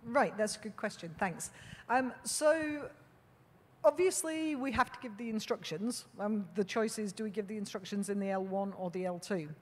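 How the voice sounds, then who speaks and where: A woman's voice: mid-range voice, moderate pace. Woman panelist explaining in a hall. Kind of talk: answering a question. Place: large conference hall. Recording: reverberant conference hall.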